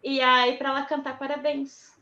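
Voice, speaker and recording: A woman with a slightly high, gravelly voice tells stories in a lively way, mimicking her kids as she goes. She is on a video call from a toy room at home. The sound is dull and echoey. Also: moderate pace. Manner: animated, acts out her children's words. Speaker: mother of autistic twins, guest. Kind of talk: casual video call chat.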